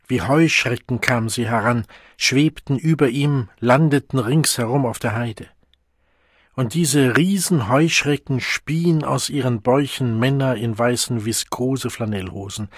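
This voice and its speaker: Husky male audiobook narrator. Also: medium pitch, dry recording, studio quality. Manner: measured, dramatic storytelling.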